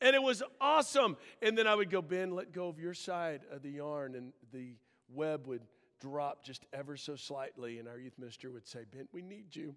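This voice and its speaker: A man's bright, sharp, fairly high voice in an American accent, with lively intonation, big swings in loudness and a moderate pace. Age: 50s. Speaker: youth ministry professor, guest preacher. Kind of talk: sermon.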